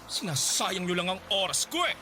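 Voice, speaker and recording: A man's voice: high-pitched, animated, normal speed, noisy background. A Filipino man in a radio drama playing an effeminate, flirtatious and impatient gay client, with a campy, drawling, haughty manner. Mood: impatient, threatening.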